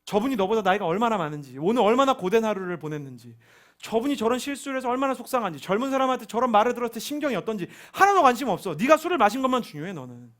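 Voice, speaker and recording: Preacher doing a sarcastic scolding Lord, high and loud. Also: male voice, big pitch swings, rapid-fire. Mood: rebuking. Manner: mocking, sarcastic, then rebuking.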